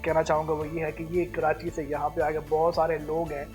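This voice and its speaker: A man hosts a talk show in an earnest tone, asking his guest questions and speaking straight to viewers. His pitch sits in the middle range for a man. Faint music plays underneath. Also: monotone, a little mellow. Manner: earnest, addresses viewers directly. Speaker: co-host. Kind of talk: comedy talk show hosting. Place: TV studio.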